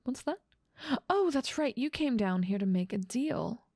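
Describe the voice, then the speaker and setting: Girl doing a bossy demon queen for asmr roleplay, smug n teasing, soft dark voice, super close dry sound. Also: a little high, expressive, a little slow, no room sound. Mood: indulgent. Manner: teasing, condescending, self-assured. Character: dominant female demon ruler of hell, playfully menacing.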